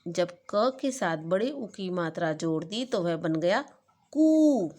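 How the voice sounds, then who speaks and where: A woman's voice: lowish voice, animated. A woman teaching a kindergarten class online, speaking to young children and drawing out sounds to show how they are said. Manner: slow, stretched-out demonstration of vowel sounds.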